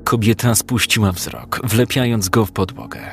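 This is scripted audiobook narration: a man reads a dramatic tale calmly and at a measured pace. His lowish voice carries vocal fry, and gentle music plays faintly in the background.

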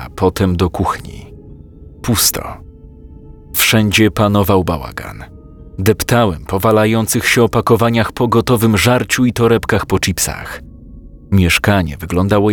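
Deep-voiced man narrating a story. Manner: calm, measured storytelling with quoted dialogue. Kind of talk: first-person audiobook narration.

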